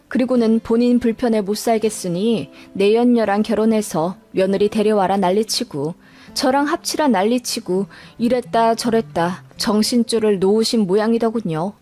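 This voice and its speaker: A woman reads a scripted life story in the first person. Her voice sits somewhat higher than usual for a female narrator. Soft music plays faintly behind her. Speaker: narrator of listener life stories.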